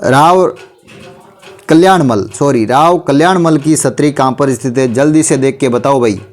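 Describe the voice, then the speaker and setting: A male teacher with a sore throat, running a quiz revision class and urging students on with repeated friendly address. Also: medium pitch. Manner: repeats "bhai", urges students to answer quickly.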